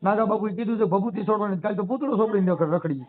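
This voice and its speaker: A man's voice: high-pitched, racing. A man with a Saurashtra Gujarati accent explains his views emphatically on a phone call, asking rhetorical questions in colloquial speech. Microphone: telephone. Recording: muffled narrow-band phone call recording.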